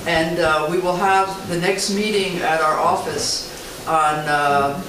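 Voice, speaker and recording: Organizer announcement, slow and hesitant; heavy room echo, loud background noise. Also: male voice, on the high side, steady tone. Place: conference room. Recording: distant, echoey and noisy room recording.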